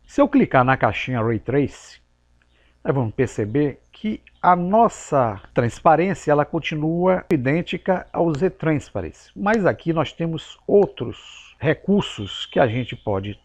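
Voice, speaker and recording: A man, patiently explaining a software tutorial step by step with casual asides. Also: on the high side, sing-song, a little slow. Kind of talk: screen-recorded software tutorial.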